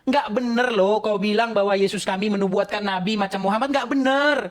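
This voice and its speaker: A man's voice: high voice, brisk. A man hosting his own channel, talking straight to a phone camera in a heated, emphatic livestream monologue. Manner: emphatic, heated, repeats "gitu loh". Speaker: channel host.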